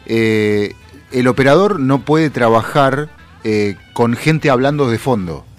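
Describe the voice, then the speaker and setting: A man's voice: medium pitch, expressive, slow, faint music behind. A man with a Rioplatense Spanish accent, hosting a radio show in casual, agreeable chat with some teasing. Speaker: radio host.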